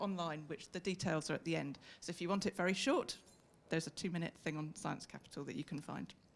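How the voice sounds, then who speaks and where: A woman speaks with a British accent. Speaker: professor. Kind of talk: conference talk. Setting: stage with audience. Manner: fast.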